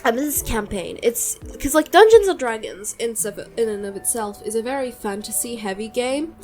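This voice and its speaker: A woman who is sick, chatting informally and enthusiastically in a rambling, halting way, as if on a solo podcast. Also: a little high, expressive, faint music behind. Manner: hesitant, halting, rambling delivery; informal, enthusiastic, mild swearing. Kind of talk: casual rambling chat.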